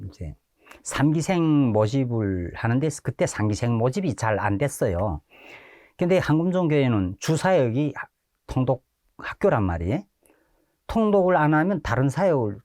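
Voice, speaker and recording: A middle-aged pastor from Korea, telling his testimony in lively storytelling style and acting out quoted shouts. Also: lowish voice, dry recording. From North Korea.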